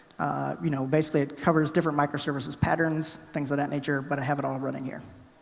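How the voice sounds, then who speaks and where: Over noticeable background noise and audible room echo, a man talks very fast. His pitch is fairly high. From US South, Alabama. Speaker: conference speaker. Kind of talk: technical conference talk with live demo. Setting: stage with audience. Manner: animated.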